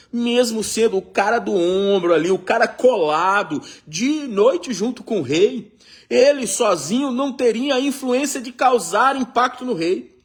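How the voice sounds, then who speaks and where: A man's voice: high-pitched, slightly rough. A man preaching a sermon, reading scripture and acting out the dialogue for the congregation. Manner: reads scripture aloud and acts out the dialogue; addresses the congregation directly.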